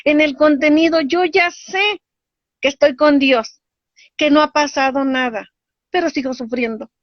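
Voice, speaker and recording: Animated woman teaching, lo-fi. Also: sits high, measured pace, no room sound. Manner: animated, acts out voices in dialogue. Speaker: spiritual teacher. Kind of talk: teaching talk. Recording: dull lo-fi dry sound.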